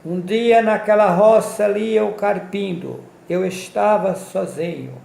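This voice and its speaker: A man from Minas Gerais telling his own life story in a slow, solemn way. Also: sits high, vocal fry, a little mellow, echoey room. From Minas Gerais, Brazil. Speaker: testimony speaker. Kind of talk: personal life testimony.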